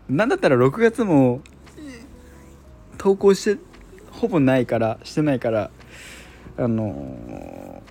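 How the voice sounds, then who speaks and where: A man's voice: mid-range voice, wildly swooping pitch, slow pace, gravelly, long pauses, dark tone, slight background noise. A man hosting a casual solo chat show, rambling and self-deprecating with lots of filler words. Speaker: podcast host.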